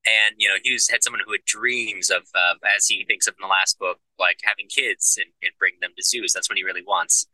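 A man co-hosting a casual book discussion podcast, explaining the story in a steady, agreeable way. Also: low voice, brisk, hardly any pauses, no room sound, rough recording. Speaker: podcast co-host discussing a novel.

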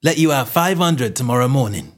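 A man voicing a shrewd gentleman detective in a story reading, self-assured and genteel with a careless, goading manner. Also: medium pitch, expressive, fairly quick, voice pushed up, natural voice. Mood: affable, probing.

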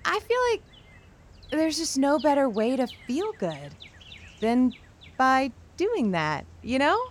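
A woman's voice: high-pitched, big pitch swings, a little hiss or hum, full character voice. A woman playing a shy, sincere young church camper who talks hesitantly and naturally in an audio drama. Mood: nervous, sincere. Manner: hesitant, many pauses.

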